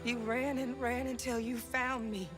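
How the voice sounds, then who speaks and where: An actress playing a loving, protective mother in a video game, warm and coaxing with a worried edge. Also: on the high side, flat delivery, a little slow, music in the background, lightly acted. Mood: tender.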